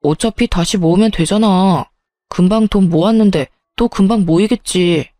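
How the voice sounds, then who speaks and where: A woman's voice: medium pitch, moderate pace, dark tone, dry recording, lightly acted. A woman voicing a smug, self-righteous husband in his thirties who talks down to his wife, as she reads a story aloud. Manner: dismissive, belittling.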